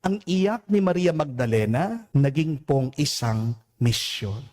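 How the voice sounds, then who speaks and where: A Filipino priest giving a homily, preaching slowly and deliberately, drawing out English phrases and asking his listeners "Amen?". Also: fairly high pitch, animated, darkish tone. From Philippines. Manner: slow, deliberate preaching with emphatic rises and drawn-out English phrases; addresses listeners as "mga kapatid" and asks "Amen?".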